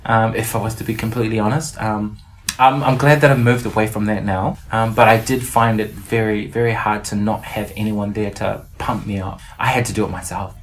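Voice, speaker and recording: A woman's voice: rumbling low, fairly even intonation, a little fast, slight background noise. A woman speaking as an interview guest, candid and reflective with a playful streak. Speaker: podcast guest, performer and playwright.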